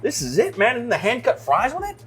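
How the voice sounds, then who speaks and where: A man hosts a casual tasting segment inside a diner, gushing over the dishes and joking around. His speech swings widely in pitch as he talks, sometimes through a mouthful of food. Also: huge pitch swings, a little fast, music in the background. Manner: enthusiastic, jokey, talks while eating. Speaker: food show host.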